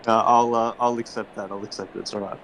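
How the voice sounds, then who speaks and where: A man's voice: lowish voice, steady tone, quick pace, creaky, heavy background noise. A man recapping his race in a rambling, self-deprecating way, often laughing. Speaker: racing driver being interviewed. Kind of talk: casual post-race recap.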